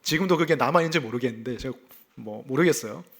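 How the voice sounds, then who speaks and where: A male pastor from South Gyeongsang with a faint Gyeongsang accent, giving a sermon in a lively, conversational way. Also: medium pitch, quick pace, gravelly. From South Gyeongsang, South Korea. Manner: lively, conversational preaching with self-deprecating laughs.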